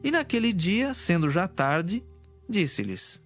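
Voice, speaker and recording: A man's voice: sits high, sing-song, takes it slowly. A man reading scripted, dramatic narration for an audio Bible. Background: music.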